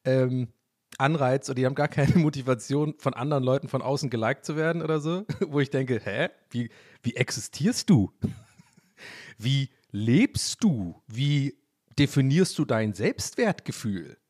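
Rambling young podcast host. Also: male voice, mid-range voice, expressive, measured pace, darkish tone. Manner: rambling, self-mocking, jokey asides. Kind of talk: casual solo podcast chat.

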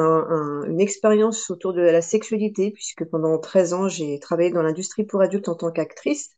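French woman in her forties, podcast guest, lowish mellow voice, reflective with frequent restarts. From France. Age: 40s. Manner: thoughtful, many hesitations and restarts. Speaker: guest, personal development coach. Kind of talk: podcast interview.

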